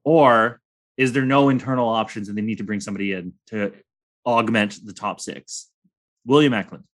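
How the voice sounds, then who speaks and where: A man's voice: fairly low pitch, normal speed, fairly bright tone. A young man hosting a sports podcast in casual chat, rambling and joking with crude humor. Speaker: podcast host.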